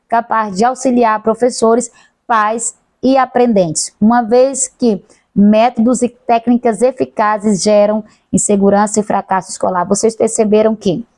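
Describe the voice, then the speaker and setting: A woman teacher with a Brazilian accent giving a class lecture, who talks fast, swallows some words and corrects herself. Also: on the high side, fairly even intonation, darkish tone, no room sound.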